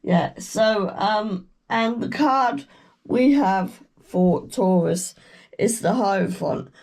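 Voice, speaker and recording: A woman with a British accent, croaky from a cold, giving a slow, meandering tarot reading with murmured chants. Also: medium pitch, darkish tone. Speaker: tarot reader. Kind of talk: casual tarot reading chat.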